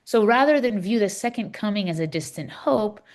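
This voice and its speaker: A woman playing an earnest Palestinian Christian in a readers theater dialogue, explaining things in a measured, conversational way. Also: medium pitch, expressive, close to an everyday voice. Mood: patient, explanatory.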